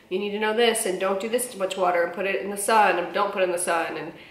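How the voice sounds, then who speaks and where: Speaking at a very fast pace with fairly even intonation, a woman is heard amid audible room echo. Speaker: vlogger. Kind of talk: casual vlog chat. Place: garden. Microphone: camera far.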